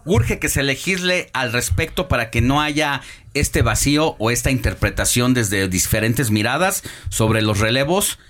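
A Mexican man hosts a live radio news program from a studio microphone. He delivers measured, opinionated commentary in an even, mid-pitched voice. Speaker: radio news host and columnist.

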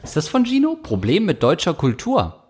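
A man's voice: fairly high pitch, wildly swooping pitch, normal speed, a little mellow, a little hiss or hum. Joking male comedy podcast co-host. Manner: teasing, crude jokes, reads listener questions aloud. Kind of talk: casual comedy podcast banter.

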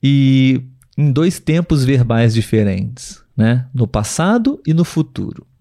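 A man hosting a live podcast language lesson, speaking patiently and repeating words slowly for learners, often checking with his listeners. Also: medium pitch, expressive, dark tone. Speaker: podcast host and language teacher.

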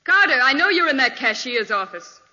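A woman's voice: high-pitched, sing-song, normal speed, bright, forceful tone, exaggerated voice. An actress in 1940s radio style playing a ruthless, domineering woman crook, commanding and impatient. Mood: menacing. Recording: dull old radio recording, long reverb.

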